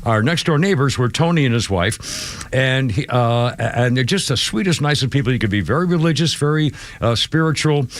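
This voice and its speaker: A man's voice: medium pitch, expressive, moderate pace. A man in his seventies from New England, hosting a talk radio show and telling a long story in a rambling, exclamatory way, breaking off and restarting often. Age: 70s. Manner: rambling, self-interrupting, exclamatory. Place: radio studio. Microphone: studio microphone.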